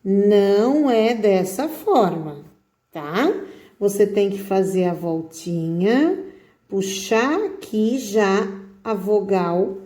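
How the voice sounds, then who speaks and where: A woman teacher guides pupils through a handwriting lesson at an unhurried pace. Her voice is mellow and warm rather than bright. She coaxes gently and keeps checking that everyone is following. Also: mid-range voice. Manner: coaxing, with frequent check-ins like "tá?" and "ó". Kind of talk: slow, patient handwriting lesson.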